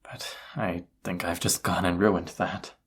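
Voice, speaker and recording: A young man playing a flustered, lovestruck incubus in an intimate romantic audio roleplay, speaking haltingly in a breathy, husky voice. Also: low-pitched, level tone. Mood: nervous, confessing. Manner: halting, hesitant delivery with stammers.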